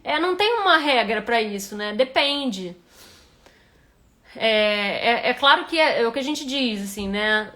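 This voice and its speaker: A woman's voice: fairly high pitch, lively intonation, measured pace, bright, forceful tone. A woman with a Rio de Janeiro accent, a writing instructor giving a live critique of a reader's manuscript and thinking aloud with frequent restarts. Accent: Rio de Janeiro Portuguese.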